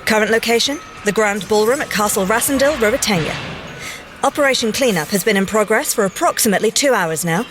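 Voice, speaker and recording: A woman playing a brisk, by-the-book young secret agent and scientist in an audio drama, crisp and official with mild exasperation. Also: mid-range voice, lively intonation, music in the background, close to an everyday voice. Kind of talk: audio drama field report.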